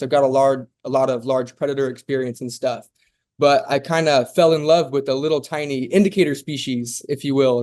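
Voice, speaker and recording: A man from Oklahoma, a podcast guest who talks in a relaxed, rambling way and often says "um" and "and stuff". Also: mid-range voice. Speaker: guest, zoo founder. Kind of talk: casual interview talk.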